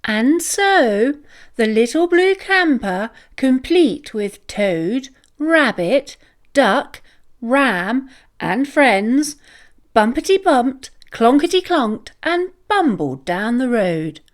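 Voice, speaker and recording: A woman narrates a children's storybook in a highish, expressive voice. She takes it very slowly, with lots of lift and fall in a sing-song read-aloud style.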